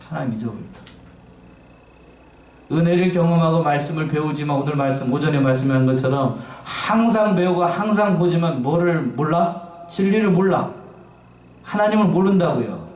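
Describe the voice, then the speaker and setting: A man's voice: a little high, darkish tone. A male pastor preaching a sermon, asking the congregation rhetorical questions and repeating his key phrases in a conversational way. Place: church sanctuary. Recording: echoey church from a distance.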